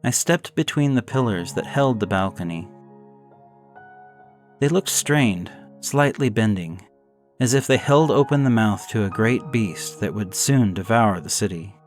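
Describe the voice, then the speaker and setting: Low-voiced man narrating a horror story. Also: animated, unhurried, faint music behind. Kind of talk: scripted first-person narration.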